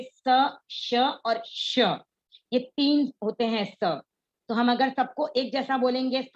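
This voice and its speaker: A woman with a fairly high voice teaches an online class, explaining each point step by step. She mixes English words freely into her Hindi. The sound is dull and lo-fi, like audio streamed over a video call.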